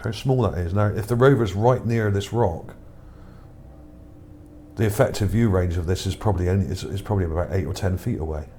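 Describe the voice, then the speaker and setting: Low, mellow male video commentator, musing. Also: fairly quick. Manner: musing, tentative, hesitant. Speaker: video narrator presenting own image finds. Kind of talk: casual, unscripted screen commentary. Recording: background noise under the voice.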